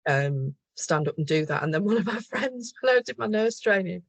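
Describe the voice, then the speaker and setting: Middle-aged woman, bit of liverpool in the accent, gravelly voice, dry close sound, thinks out loud. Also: mid-range voice, animated, no echo. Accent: mild Liverpool. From England, Liverpool area. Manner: thoughtful, halting, with frequent ums and self-corrections. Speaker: guest, mental health nurse. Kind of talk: reflective podcast interview.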